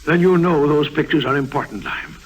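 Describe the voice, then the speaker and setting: A man's voice: on the high side, fairly quick, slightly rough. An actor playing a strained, earnest middle-aged male governor who begs for help, in a 1950s radio drama. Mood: pressured. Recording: old radio broadcast with faint hiss.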